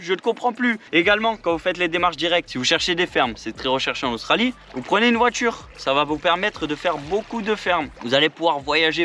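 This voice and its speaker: Bright high-voiced chatty vlogger man. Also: slight background noise. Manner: playful, jokey, addresses viewers as friends. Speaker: vlogger giving job tips. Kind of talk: upbeat casual vlog.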